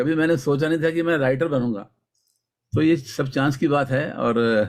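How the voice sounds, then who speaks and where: On a very clean recording with a silent background, a man speaks in a fairly high pitch with ordinary pitch variation. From Meerut, western Uttar Pradesh, India. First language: Punjabi (speaking Hindi). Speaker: actor and writer. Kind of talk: panel discussion.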